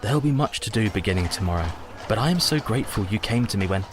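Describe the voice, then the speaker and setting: A man's voice: lowish voice, expressive, quick pace, noisy background, lightly acted. A man playing a shaken, nervous young husband. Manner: formal speech, prone to alarm. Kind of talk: radio play acting.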